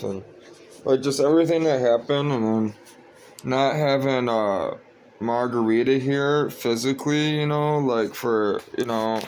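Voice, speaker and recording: A young man talking casually to his viewers at home, sleepy and monotone, rambling with lots of fillers. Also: mid-range voice, a little hiss or hum, rough recording. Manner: monotone, meandering, frequent fillers. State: tired, sleepy. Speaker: vlogger.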